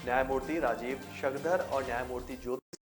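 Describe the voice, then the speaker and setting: A man's voice: mid-range voice, steady tone, brisk. A man reading a scripted news bulletin as the anchor, with music behind him.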